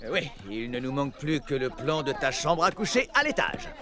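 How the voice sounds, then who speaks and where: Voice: medium pitch, very animated, moderate pace, a crowd in the background, natural voice. An actor voicing an eager, helpful little builder creature in a children's cartoon, with an obliging, upbeat manner. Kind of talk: animated children's cartoon dub.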